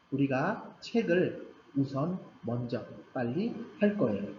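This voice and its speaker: Animated male teacher in an echoey room. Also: fairly high pitch. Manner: patient, repeats key points with emphasis. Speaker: Korean language teacher. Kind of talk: recorded grammar lecture for beginners. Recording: roomy, slightly dull recording with faint background hum.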